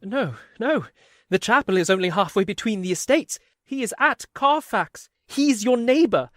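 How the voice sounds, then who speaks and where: A man's voice: high voice, animated, moderate pace, no room sound, clean studio sound. An actor playing a guilt-ridden, rambling asylum madman in a community radio play, swinging from mutters to frantic cries. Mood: desperate.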